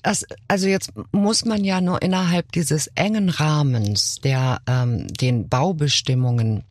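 A podcast guest who acts for a living tells stories with playful, theatrical flair. The voice is somewhat husky and mid-pitched. It is recorded close and dry. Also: unhurried, dry recording. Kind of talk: casual podcast chat.

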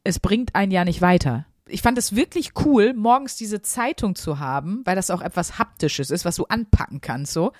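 A woman co-hosts a casual podcast in a mid-range, animated voice, speaking at normal speed with few pauses. The clean studio sound has no room tone, and she talks through her thoughts earnestly and chattily, with many fillers.

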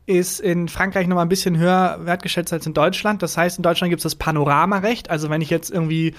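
A young German man chatting casually as a podcast co-host, telling stories with lively asides and mimicked voices. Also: high voice, fast. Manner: animated storyteller, hums tunes and mimics voices. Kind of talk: casual chat.

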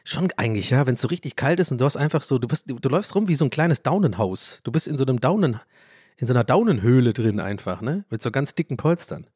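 A man hosting his own podcast, telling stories to his listeners in loose, rambling monologues. He often restarts his sentences and breaks into laughter. His voice sits at an ordinary middle pitch, and the sound is dry and close. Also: lively intonation, fast, a little mellow, breathy edge, no room sound. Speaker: podcast host. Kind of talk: casual solo podcast monologue.

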